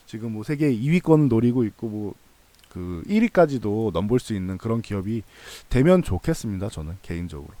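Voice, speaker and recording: Hosting a stock analysis channel, this man talks to his viewers in a relaxed, conversational, reassuring manner and repeats points to drive them home. His voice is mellow and medium in pitch, with no room sound in the recording.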